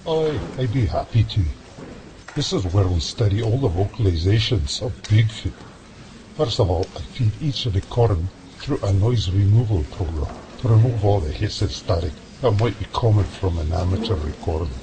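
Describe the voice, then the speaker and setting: A man's voice: lowish voice, expressive, normal speed, background noise. A man playing a folksy, seasoned Scottish sound analyst who explains patiently, with a Scottish accent, in an amateur radio drama. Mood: genial.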